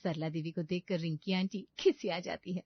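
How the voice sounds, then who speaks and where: A woman's voice: fairly low pitch, steady tone, brisk, breathy edge, no room sound. A woman giving scripted storytelling narration for a cartoon. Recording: dull lo-fi dry recording.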